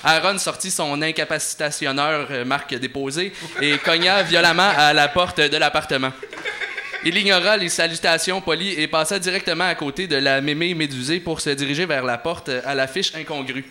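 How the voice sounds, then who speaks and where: A man's voice: a little high, normal speed, sharp tone, slight background noise. A man hosting a show and reading an interactive story aloud, hesitant with fillers between passages. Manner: hesitant, lots of filler, then theatrical reading. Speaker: host and story narrator.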